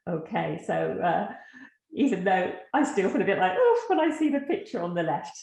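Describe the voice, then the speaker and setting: A woman's voice: medium pitch, big pitch swings, moderate pace, vocal fry. West country lady teaching teachers online, chatty and laughing a lot, echoey room sound. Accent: slight West Country English. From England, Gloucestershire. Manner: warm, chatty, laughs often. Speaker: teacher trainer presenting a webinar. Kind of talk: online teacher-training talk. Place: online video session. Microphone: video call.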